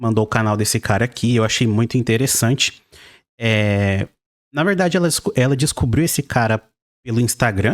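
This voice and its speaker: A man at medium pitch speaks with lively intonation in a very clean recording with a silent background. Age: middle-aged. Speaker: YouTuber. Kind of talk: video commentary.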